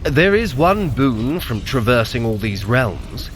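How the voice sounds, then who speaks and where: Trickster god for audio drama: sardonic, haughty, swooping intonation, clear effects noise in the background. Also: male voice, mid-range voice, sing-song, slow pace, fairly bright tone. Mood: scheming. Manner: wry, teasing, theatrically haughty. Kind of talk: scripted audio adventure drama.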